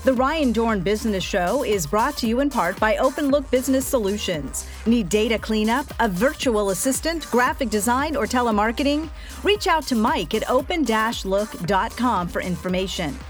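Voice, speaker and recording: Woman, slightly high pitch, scripted ad narration, sponsor announcer, music bed.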